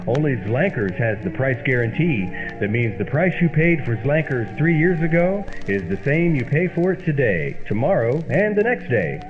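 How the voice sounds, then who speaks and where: A man acting as a wisecracking straight man and folksy pitchman in an old-time radio comedy, with an emphatic, theatrical delivery. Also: big pitch swings, normal speed, natural voice. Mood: hearty salesman. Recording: dull lo-fi old-radio sound, music behind.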